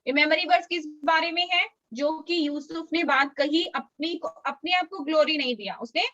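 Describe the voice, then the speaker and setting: Woman, Sunday school teacher, high bright voice, coaxing kids on a dull video call. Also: no echo. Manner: coaxing, slow drilled recitation for small kids. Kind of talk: online children's class.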